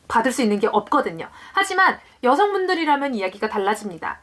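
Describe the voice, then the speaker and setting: A young woman in her late twenties explains things to her viewers in a friendly vlog. Her voice sits high and moves a lot, rising and falling as she walks through each point. She often asks a question and then answers it herself. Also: fairly bright tone. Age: late 20s. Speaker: parenting vlogger.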